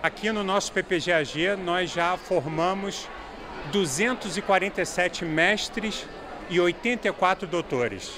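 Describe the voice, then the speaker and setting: A man's voice: high-pitched, a little slow, crowd noise. A man in his forties with a Brazilian accent, an academic coordinator, interviewed on a handheld microphone. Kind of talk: news interview. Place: indoor event hall. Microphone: handheld reporter microphone. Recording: clear background noise, event ambience.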